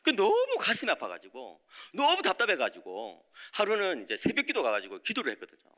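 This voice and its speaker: A middle-aged man preaching a dawn sermon in a church, telling a personal story with lively acted-out voices and frequent checks with the congregation. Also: high voice, fairly quick. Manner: animated, acts out quoted voices, frequent "예?" to the congregation. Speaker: preacher, visiting professor. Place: church sanctuary.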